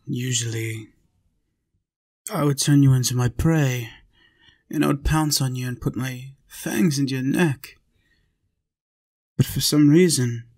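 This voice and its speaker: A man playing a lonely, tender, centuries-old vampire in an intimate roleplay audio, confiding softly and earnestly. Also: medium pitch.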